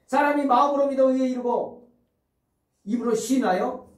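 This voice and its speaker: A man's voice: extremely high pitch, normal speed. A male pastor preaching a sermon with dramatic storytelling, asking the congregation rhetorical questions. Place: church sanctuary. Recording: roomy, distant church recording.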